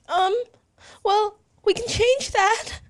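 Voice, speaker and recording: A woman's voice: very high-pitched, very slow, no echo, clean studio sound, heavily acted. A woman playing a polite, worried young daughter in an improvised comic radio drama.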